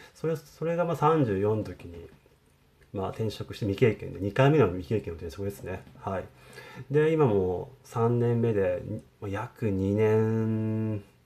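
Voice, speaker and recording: This man's voice sits fairly low and has a dark, mellow tone. His loudness swings widely from moment to moment. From Japan, Chiba (Funabashi). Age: 30s. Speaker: financial analyst. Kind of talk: casual vlog monologue. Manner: hesitant, many fillers.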